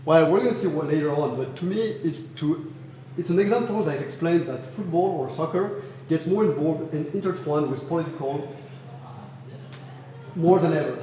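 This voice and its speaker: Young French-accented student presenter, slightly high voice, echoey hall with long reverb. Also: male voice, normal speed, mellow, a little hiss or hum. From France. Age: young adult. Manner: earnest, with frequent fillers and restarts. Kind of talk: academic thesis presentation. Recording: roomy hall reverb, faint ambience.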